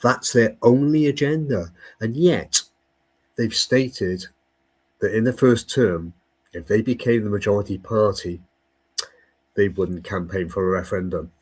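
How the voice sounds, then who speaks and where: A man's voice: on the low side, measured pace, breathy edge, poor audio. A Welsh man speaking as a guest in a political discussion, emphatic and often stumbling over repeated words. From Wales. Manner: emphatic, with frequent stumbling repetitions. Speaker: guest commentator.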